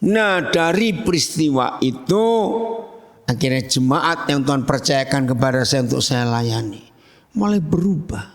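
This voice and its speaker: Lively, slow-spoken male pastor in a hall. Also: mid-range voice. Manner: lively, humorous preaching with audience questions. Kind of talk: sermon. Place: church hall. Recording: long church hall reverb.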